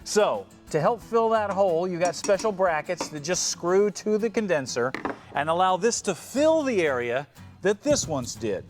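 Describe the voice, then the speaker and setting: A man's voice: high-pitched, big pitch swings, normal speed, music in the background. A man hosting an automotive build show, explaining things in a folksy, instructional way. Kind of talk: instructional TV presenting.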